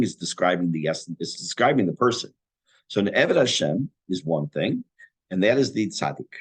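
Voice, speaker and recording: An older man teaching a Torah class in a conversational, self-deprecating way, his voice going hoarse and interrupted by throat clearing. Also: low-pitched. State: losing his voice. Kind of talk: Torah class, explaining text.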